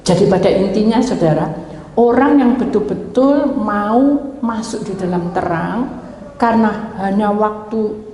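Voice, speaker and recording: A woman's voice: medium pitch, unhurried, warm tone, a little hiss or hum. A middle-aged woman pastor, preaching a sermon in a conversational, emphatic way. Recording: echoey hall with faint ambience.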